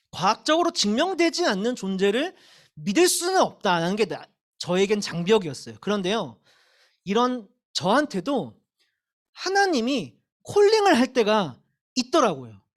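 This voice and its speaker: A young woman giving a sermon to middle schoolers in a church service, telling her story candidly and laughing at herself. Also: on the high side. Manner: candid, animated storytelling with self-deprecating laughs. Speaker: youth pastor.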